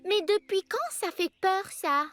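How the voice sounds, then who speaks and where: An actor voicing an excitable, trusting small child full of questions in a French children's cartoon. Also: very high-pitched, a little slow, music in the background, exaggerated voice. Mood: doubtful, trusting.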